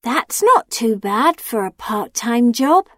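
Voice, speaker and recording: Actress as a supportive young friend; high and lively voice, slow clear lines, dry studio. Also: female voice, no echo, full character voice. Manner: clearly enunciated, questioning. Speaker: friend character in a listening test. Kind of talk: scripted exam dialogue.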